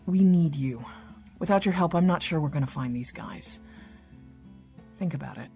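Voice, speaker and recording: An actress playing a senior female government agent, formal and measured, in an audio drama. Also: sits low, vocal fry, dark tone, soft background music. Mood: earnest, persuasive. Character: composed, persuasive female government agent in charge.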